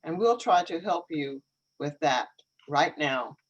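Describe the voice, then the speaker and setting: A woman hosting a live online English lesson, speaking carefully and encouragingly with clear articulation. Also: low voice, lively intonation, slow pace, highs cut off.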